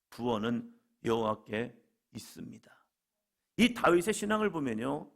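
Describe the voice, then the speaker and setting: Middle aged pastor guy preaching, kinda high gravelly voice, gets loud and emphatic. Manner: preaching with rising emphasis, slow solemn scripture reading. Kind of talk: sermon.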